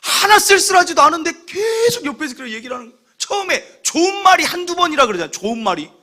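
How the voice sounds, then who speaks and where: A man in his thirties preaches a sermon as a pastor, voice pitched high and swinging widely as he tells humorous stories. He acts out the remarks of others along the way. His tone is bright and sharp, with a husky edge. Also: quick pace. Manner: animated, humorous storytelling.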